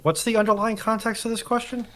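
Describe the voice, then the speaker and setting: A man's voice: high-pitched, flat delivery, fast talker, fairly bright tone. A man chatting casually as a secondary speaker on a live talk. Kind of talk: casual chat. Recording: clearly noisy line with clicks.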